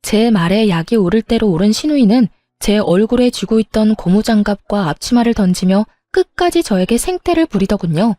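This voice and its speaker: A woman narrating a dramatized first-person story as a daughter-in-law, with sharp, defiant retorts. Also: medium pitch, no echo.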